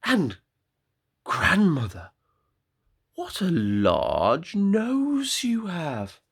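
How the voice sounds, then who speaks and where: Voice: mid-range voice, huge pitch swings, extremely slow, husky, pitched above the performer's own voice, heavily acted. A teacher voicing a frightened little girl in a red hood, gasping and pleading in a storybook reading. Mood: wary, wondering. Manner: wide-eyed, gasping, pleading.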